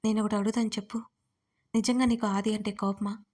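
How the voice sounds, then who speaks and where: A patient young man who soothes and reasons in a steady, even tone, as a woman storyteller puts him on. He speaks persuasively and keeps his voice level. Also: medium pitch, a little fast, close to an everyday voice. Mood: calm reasoning.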